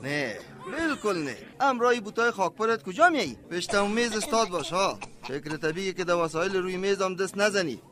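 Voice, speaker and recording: A man's voice: high voice, expressive, few pauses, pushed and bright. An Afghan-accented male actor playing a fussy, irritable laboratory chief in a radio drama, curt and pompous. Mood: irritated, haughty.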